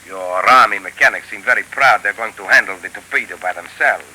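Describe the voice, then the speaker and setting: Smooth scheming villain professor, lowish bright voice, old radio hiss. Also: male voice, a little fast, poor audio. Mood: suave. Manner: smooth, coldly calculating. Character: scheming male professor, cold hypnotist villain. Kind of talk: 1930s radio drama acting.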